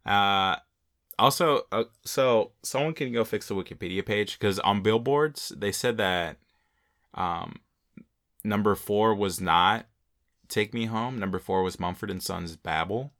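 A young man co-hosting a casual podcast, reading off facts in a relaxed, joking way, with a slight Mexican accent. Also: lowish voice, measured pace. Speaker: podcast co-host. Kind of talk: casual chat.

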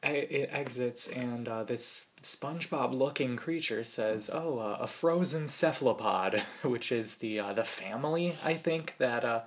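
A man's voice: medium pitch, a little slow, hardly any pauses. Analytical man podcast co-host. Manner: analytical, hesitant with fillers, laughs often. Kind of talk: casual chat.

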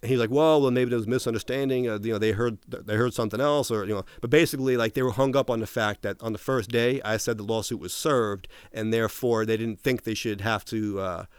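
A man's voice: mid-range voice, steady tone, fairly quick, hardly any pauses, clear, resonant tone, dry recording, studio quality. A man being interviewed, retelling a long story in a casual way, restarting often and quoting what others said. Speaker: interview guest.

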